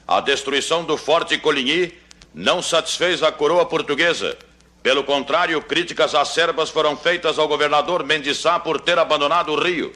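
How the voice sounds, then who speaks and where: A man's voice: fairly high pitch, normal speed, sharp tone. A man announcing a scripted 1960s-style radio news bulletin in an urgent, formal way.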